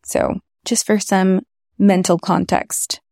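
A woman's voice: mid-range voice, little pitch movement, slow, creaky, a little mellow, no echo. Woman podcast host explaining, dry close sound.

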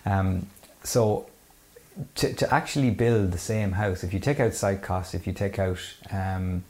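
A man's voice: deep voice, measured pace, darkish tone. A man with a west of Ireland accent explains things conversationally as an interview guest, often hedging and rephrasing as he goes. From County Mayo, west of Ireland.

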